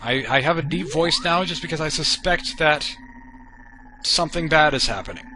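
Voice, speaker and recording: A man's voice: on the high side, normal speed, sharp tone. A young man giving casual, goofy let's-play commentary, joking about himself and tripping over his words, recorded at home on a desk mic. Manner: goofy, self-mocking, stammering restarts. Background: video game music.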